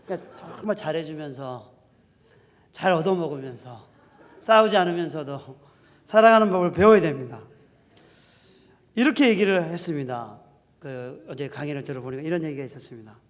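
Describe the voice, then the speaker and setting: A male pastor preaching a sermon, swinging between loud declarations and soft asides. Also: a little high, expressive, normal speed, pauses often. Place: church sanctuary. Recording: long hall reverb.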